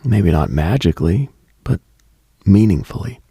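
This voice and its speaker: A man hosting a late-night mystical radio show, delivering a scripted monologue in a hushed, contemplative, brooding manner. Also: low voice, very animated, normal speed, slightly rough, no echo, clean studio sound.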